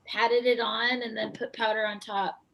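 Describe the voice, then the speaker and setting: A woman's voice: a little high, flat delivery, moderate pace, creaky, a crowd in the background, poor audio. A woman chatting casually with fellow actors on a group video call. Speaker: amateur actor. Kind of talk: casual chat.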